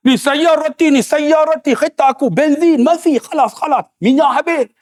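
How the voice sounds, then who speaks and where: A man's voice: extremely high pitch, moderate pace, a little mellow, pitched above the performer's own voice. Man putting on a pleading Arab stranger. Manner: repetitive, pleading, mixing Arabic and Malay.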